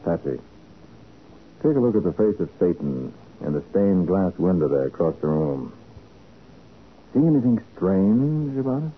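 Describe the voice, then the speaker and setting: An actor playing a shrewd, commanding American private detective in a 1940s radio drama, methodical and deliberate. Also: male voice, sits low, sing-song, husky, phone-quality sound, heavily acted. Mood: assured, deducing. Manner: assured, deliberate, interrogating. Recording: scratchy band-limited 1940s radio recording.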